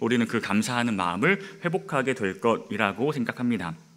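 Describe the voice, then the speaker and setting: Very wide swings in pitch from a man with a bright, sharp tone. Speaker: pastor. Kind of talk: sermon.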